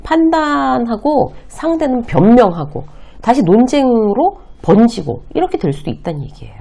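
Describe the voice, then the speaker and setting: Woman lecturer, middle-aged, explaining step by step, warm and dark in tone, husky with fry. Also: fairly high pitch. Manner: explains step by step, acts out short example lines in quotes. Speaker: workplace communication lecturer. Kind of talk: lecture to camera.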